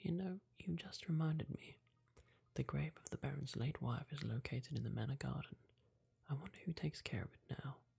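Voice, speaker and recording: Soft-spoken delivery at a fairly quick pace over a quiet background. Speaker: ASMR game narrator. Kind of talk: reading game dialogue aloud. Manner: soft-spoken ASMR reading of dialogue.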